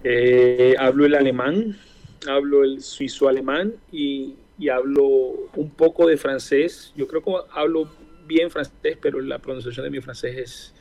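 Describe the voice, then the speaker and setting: An aviation engineer in his forties from Barranquilla, on Colombia's Caribbean coast, reflects personally in a casual interview, speaking costeño Caribbean Spanish. His mid-range voice is a little mellow with fairly even intonation, broken by hesitant, drawn-out pauses, and the recording quality is low.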